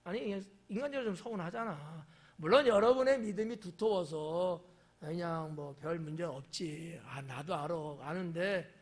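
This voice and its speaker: High-voiced Korean pastor, chatty sermon. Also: male voice, moderate pace. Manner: conversational preaching, asking the congregation questions; acts out quoted lines in shifting voices. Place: church at a Wednesday evening service.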